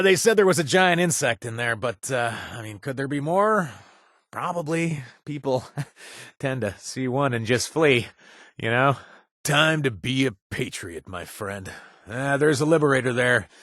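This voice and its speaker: An actor playing a wry, sarcastic companion in a video game who hands out kill jobs, stammering and joking. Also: male voice, mid-range voice, no room sound. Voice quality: animated, sarcastic delivery with hesitant stammers. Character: wry young man, quest-giving companion, sarcastic and jumpy. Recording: dry studio sound.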